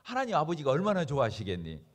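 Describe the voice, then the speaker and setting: A pastor voicing the Holy Spirit as a gentle, fatherly inner voice that chides and praises softly. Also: huge pitch swings, fast. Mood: warm approval. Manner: low, soft, fatherly chiding and praise.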